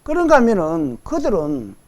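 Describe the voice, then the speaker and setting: A man's voice: high voice, wildly swooping pitch, normal speed. A middle-aged man preaching a sermon as pastor, leading his congregation through Bible readings.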